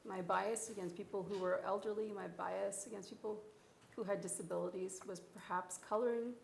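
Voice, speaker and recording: Woman in her forties, physician panelist, earnest and reflective, gravelly edge, roomy echo. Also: medium pitch, steady tone, brisk, a little mellow. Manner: earnest, reflective, with frequent ums. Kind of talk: panel discussion, personal account. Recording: echoey room with faint noise.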